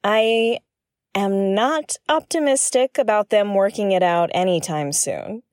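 An actress playing a feisty, irreverent woman who broadcasts from her own ship, expressive and candid in an audio drama. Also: mid-range voice, measured pace, no echo, studio quality, close to an everyday voice. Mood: gleefully petty. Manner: expressive, candid, prone to gleeful giggling. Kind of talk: audio drama acting, conversational.

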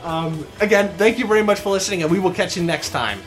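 A man's voice: high voice, fast talker, a bit bright, faint music behind. A man co-hosting a podcast in casual chat, rambling and hesitant with lots of laughter. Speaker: podcast co-host.

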